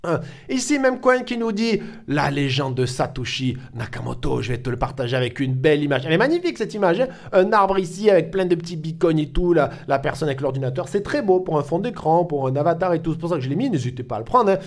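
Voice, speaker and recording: A chatty man runs through crypto news in a casual commentary. His voice sits high for a man, and it keeps jumping up and down as he talks, full of fillers and restarts. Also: fast talker. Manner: chatty, lively swings in pitch, many fillers. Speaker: crypto channel host.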